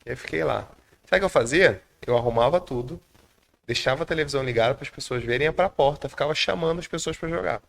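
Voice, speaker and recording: A man's voice: on the high side, fast, creaky. A man with a Brazilian Portuguese accent telling a childhood story as a podcast guest, acting out the voices of the people in it. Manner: animated storyteller, acts out quoted dialogue.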